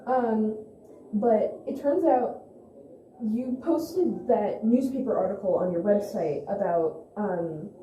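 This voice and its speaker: A woman playing an awkward, hesitant young amateur investigator who talks haltingly in a found-footage vlog. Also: mid-range voice, dark tone, close to an everyday voice. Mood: hesitant, earnest. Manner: halting, hesitant, full of restarts. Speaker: video host and interviewer. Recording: roomy echo, faint noise, handheld camera.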